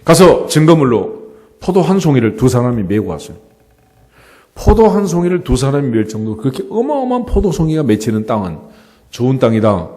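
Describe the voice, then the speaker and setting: Male pastor, middle-aged, lively swinging pitch, conversational sermon, rhetorical questions, long church-hall reverb. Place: church sanctuary.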